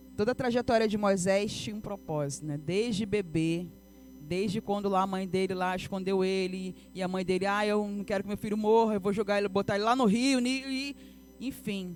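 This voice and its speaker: A woman at a medium pitch and moderate pace, with ordinary pitch variation and music in the background. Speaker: preacher. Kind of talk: sermon. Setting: church livestream.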